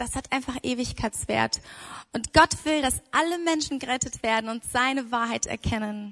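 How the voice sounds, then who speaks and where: A woman speaks in a high voice, recorded dry and close with no echo. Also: ordinary pitch variation, moderate pace. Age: 20s. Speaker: primary school teacher. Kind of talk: testimony. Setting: church.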